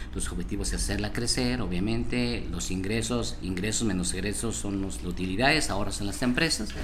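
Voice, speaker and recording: With very wide pitch swings, a man's very deep, low voice moves at a fairly quick pace with hardly any pauses, amid audible room echo and noticeable background noise. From Mexico. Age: 50s. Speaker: business consultant and speaker. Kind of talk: interview.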